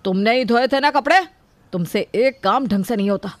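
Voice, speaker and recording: A woman voicing a hot-tempered young husband who shouts in irritation. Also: a little high, a little fast, no room sound, lightly acted. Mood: angry.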